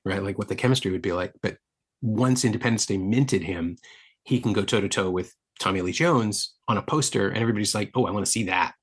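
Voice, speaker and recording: A man's voice: lowish voice, fast, husky. A man in his fifties hosting a podcast, chatting casually about films in a wry, talkative way. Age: 50s. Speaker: podcast host. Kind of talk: casual film chat.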